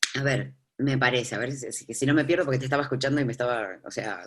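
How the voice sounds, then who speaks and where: Bright and sharp in tone, a woman with an Argentine accent speaks at a fairly quick pace. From Argentina. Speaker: advertising creative. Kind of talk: casual chat. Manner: halting.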